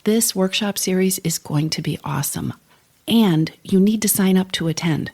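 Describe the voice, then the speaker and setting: A middle-aged woman hosting her own podcast, talking alone in an encouraging coaching tone, slightly hoarse from a sore throat. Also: lowish voice, normal speed, a little mellow, no echo. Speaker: podcast host. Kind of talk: solo podcast talk.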